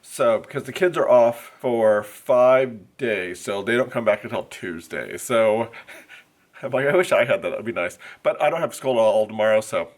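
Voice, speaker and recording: A man's voice: medium pitch, lively intonation, moderate pace. Congested man chatting casually to camera. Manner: rambling, chatty, many fillers. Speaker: first grade teacher vlogger. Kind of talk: casual vlog chat to camera. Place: classroom, then inside a car. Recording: faint road noise.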